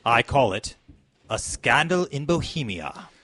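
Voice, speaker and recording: An actor playing an excitable, genial gentleman sidekick in a radio mystery, with an exclamatory, theatrical manner. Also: mid-range voice, unhurried, exaggerated voice. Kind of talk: old-time radio mystery acting.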